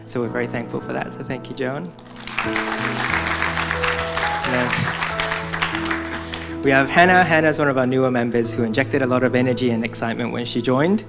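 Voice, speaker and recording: A man's voice: medium pitch, fairly even intonation, normal speed, creaky, pauses often, over loud music, a loud crowd. A young man from Hong Kong giving a prepared church testimony, speaking earnestly as if from notes.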